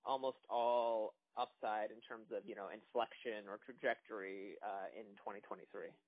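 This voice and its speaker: A man's voice: lowish voice, steady tone, normal speed. A man on a phone conference call asking an analyst's questions in a hesitant, meandering way. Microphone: telephone conference call. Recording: tinny phone line.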